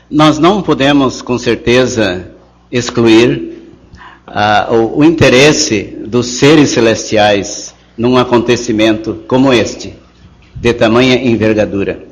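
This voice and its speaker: Brazilian guy leading a bible study, talks real slow and steady. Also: medium pitch, low-quality recording. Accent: Brazilian Portuguese. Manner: slow, measured, answering questions. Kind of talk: group Bible study discussion.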